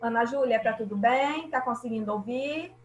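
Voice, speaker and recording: A woman's voice: on the high side, moderate pace, echoey room, a little hiss or hum, rough recording. A woman teacher with a Brazilian Portuguese accent, patiently explaining grammar in an online class and often checking that students follow.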